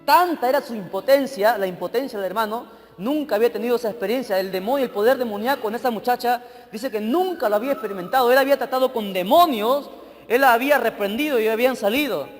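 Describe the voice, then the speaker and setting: A male preacher telling a story in a sermon. He swings dramatically between loud emphasis and hushed narration. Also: extremely high pitch, fast talker. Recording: church hall with long reverb, faint music.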